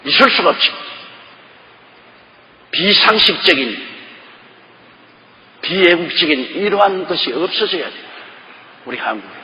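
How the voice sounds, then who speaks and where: A man's voice: high-pitched, expressive, a little slow, pauses often, long reverb tail, muffled recording. An older man preaching a sermon emphatically, repeating key phrases and firing rhetorical questions. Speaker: pastor.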